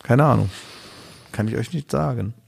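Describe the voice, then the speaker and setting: A man's voice: medium pitch, normal speed, creaky, husky. A man from Oldenburg hosting a casual chat, thinking aloud in long rambling restarts. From Oldenburg, northern Germany. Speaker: podcast host.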